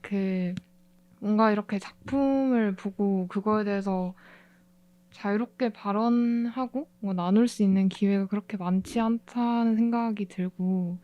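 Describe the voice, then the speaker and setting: A woman's voice: medium pitch, unhurried, no echo, highs cut off. A woman talking casually as a guest animation director in an interview.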